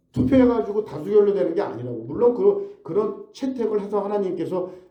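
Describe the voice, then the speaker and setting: A man's high voice at a moderate pace, swinging very widely in pitch, with audible room echo. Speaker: guest preacher. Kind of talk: sermon.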